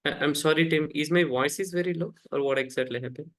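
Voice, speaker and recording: A man's voice: on the high side, fast talker, fairly bright tone. A man teaching a live online class, repeating points, tacking "actually" onto sentences and asking students to answer back. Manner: repetitive, fillers like "actually", quizzes students. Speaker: instructor. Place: home, rain outside.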